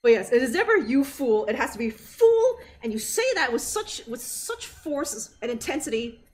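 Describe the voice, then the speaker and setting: A woman's voice: a little high, sing-song, moderate pace, a little hiss or hum. A woman streamer giving casual gameplay commentary, giggly and rambling.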